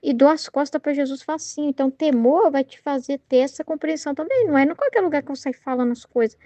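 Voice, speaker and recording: A woman's voice: high-pitched, fast, mellow, no echo. A Brazilian woman leading a Catholic study group, giving an earnest, conversational spiritual talk full of fillers and restarts. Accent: Brazilian Portuguese. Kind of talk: informal spiritual teaching talk.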